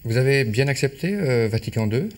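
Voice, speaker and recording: A man interviewing a guest in a courteous, measured way, with gently probing questions. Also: mid-range voice, lively intonation.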